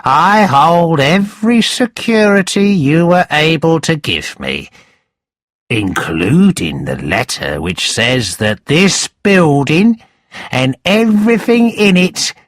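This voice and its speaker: A man reading a story aloud and voicing a scheming, cold-hearted moneylender who taunts in a calm, cutting way. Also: fairly high pitch, slow, no echo, clean studio sound, voice pushed up, full character voice. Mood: taunting.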